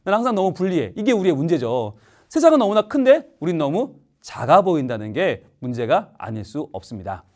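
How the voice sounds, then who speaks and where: A man's voice: fairly high pitch, fairly quick. A male pastor giving a playful children's sermon, asking the children lots of questions. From Korea. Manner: playful, animated storytelling with questions to the audience.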